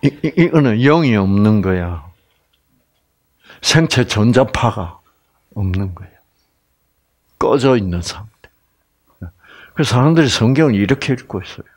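Male lecturer, emphatic storyteller, keeps quizzing the crowd, unhurried delivery. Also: fairly low pitch, animated, a little mellow. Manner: quizzes the audience with repeated prompting questions. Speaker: health lecturer teaching the Bible. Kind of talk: live Bible lecture to an audience.

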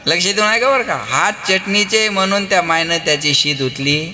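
Bright-voiced kirtan preacher in a hall. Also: male voice, sits high, moderate pace, a little hiss or hum. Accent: Marathi. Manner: lively storytelling, acts out family voices, prompts the crowd. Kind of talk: devotional kirtan sermon with sung verses. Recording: long hall reverb with live music.

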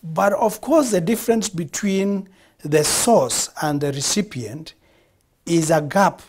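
A man's voice: a little high, animated, takes it slowly, a little mellow, slightly rough. Expansive Kenyan man in a TV studio. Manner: expansive, gestures broadly, repeats phrases for emphasis. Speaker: guest, founder of a production studio. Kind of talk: studio TV interview. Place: TV studio set.

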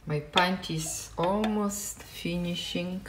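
A woman with a Polish accent talks her way through a home repair job in her own unhurried, simple English, often dropping small words. Her voice sits a little low, and she speaks very slowly. Faint hiss from a phone recording in a small tiled room sits behind her. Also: fairly even intonation. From Poland. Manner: slow, plain, non-native English with dropped words. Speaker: DIY vlogger. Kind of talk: casual home-renovation commentary.

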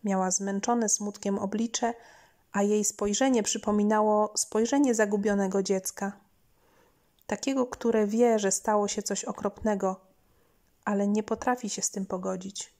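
A woman's voice: mid-range voice, steady tone, a little slow, darkish tone. A woman reading a scripted first-person horror story as an audiobook narrator. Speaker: audiobook reader. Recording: lo-fi home audiobook recording.

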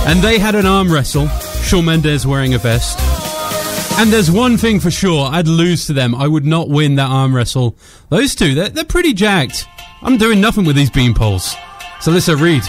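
A young man hosting afternoon music radio with upbeat DJ links, speaking close to a studio microphone. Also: on the high side. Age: young adult. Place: small padded radio studio. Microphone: close studio microphone on boom arm. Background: music bed.

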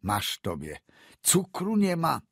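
A man's voice: on the high side, huge pitch swings, slow, vocal fry, fairly bright tone, dry recording, clean studio sound, pitched above the performer's own voice, full character voice. A man voicing an anxious, brusque middle-aged country doctor who asks curt questions.

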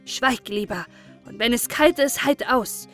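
Woman doing a bossy, streetwise little boy, scolding and self-important, higher voice; faint music under. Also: a little slow, a bit bright.

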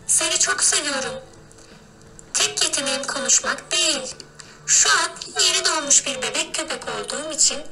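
A woman voicing a devoted newborn robot dog in an emotionless, robotic, measured way for a game role-play. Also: high-pitched, sharp tone, full character voice, low-quality recording. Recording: music clearly behind the voice.

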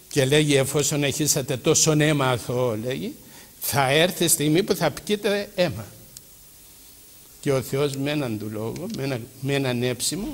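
Older priest, fervent sermon delivery, long hall echo. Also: male voice, medium pitch, vocal fry. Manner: fervent preaching, rhetorical questions. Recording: hall reverb with faint background noise.

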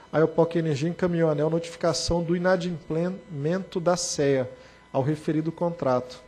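Brazilian regulator reading a case report, measured, a touch husky, fairly high pitch. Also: male voice, darkish tone. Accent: Brazilian Portuguese. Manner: measured and formal, with short spoken asides. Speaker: reporting director at a regulatory board.

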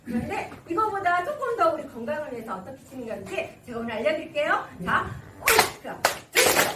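A woman's voice: sits high, lively intonation, fast talker, distant mic. A woman from Seoul leading seniors through a group exercise class, coaxing them along, counting beats aloud and laughing often. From Seoul, South Korea. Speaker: senior recreation instructor. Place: large room with a group of seniors. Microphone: no microphone, recorded from across the room. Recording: echoey room, voice from afar, loud crowd and noise.

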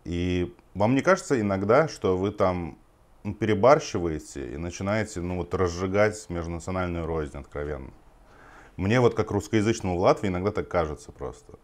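A male interviewer with a very low voice puts direct, probing questions to his guest. He speaks from an indoor office room. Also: expressive, moderate pace.

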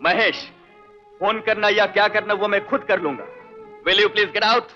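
A man's voice: high-pitched, a little slow, sharp tone, faint music behind. An actor playing a stern, proud father in a 1960s Hindi film, speaking curtly and with command. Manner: curt, commanding. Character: stern proud widowed father, short-tempered. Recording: dull old film soundtrack.

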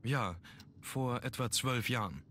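An actor playing a grave, brooding young aristocratic heir in a video game, speaking in a measured way. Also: male voice, medium pitch, a bit bright, slight background noise. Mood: guarded. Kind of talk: German video game voice acting.

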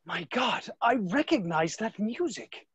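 Casting: male actor as protective young nobleman in love, husky, dry close sound, swinging intonation. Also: high-pitched, big pitch swings, measured pace, a bit bright, no echo, exaggerated voice. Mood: disbelieving. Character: earnest, jealous young viscount suitor, skeptical and protective. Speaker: actor in a virtual staged reading. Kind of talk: dramatic stage play reading. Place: indoor room, video call. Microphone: video call microphone.

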